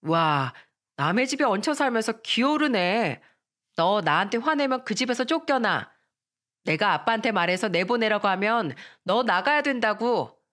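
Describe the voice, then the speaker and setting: A woman's voice: mid-range voice, expressive, normal speed, a bit bright, lightly acted. A woman voicing a spoiled, mocking schoolgirl bully in a radio drama reading. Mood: sneering. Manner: sneering, mocking.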